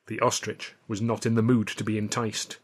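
A man's voice: on the low side, level tone, moderate pace, breathy edge. A man reading scripted first-person audiobook narration of a novel. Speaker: author reading own novel.

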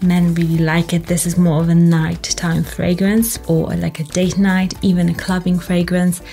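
A woman's voice: fairly low pitch, flat delivery, normal speed, creaky, warm tone, soft background music. A woman hosting her fragrance channel, giving a casual product review and chatting away, often repeating words for emphasis.

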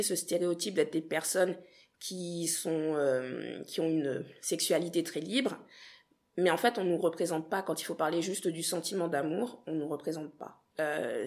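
A young woman from Guadeloupe who makes podcasts answers interview questions in a lowish voice. She comes across as earnest and thoughtful, often hesitating and starting her sentences over.

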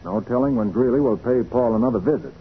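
An actor playing an easygoing, shrewd detective, conversational and wry, in a 1940s radio crime drama. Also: male voice, medium pitch, fast, natural voice. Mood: concerned, decided. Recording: tinny, noisy 1940s radio recording.

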